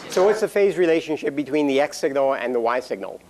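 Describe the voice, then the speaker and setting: A man's voice: mid-range voice, lively intonation, fast, a little mellow, a little hiss or hum. Man lecturing with dry humor. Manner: explanatory, dry jokes, frequent fillers. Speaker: university lecturer. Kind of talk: classroom lecture.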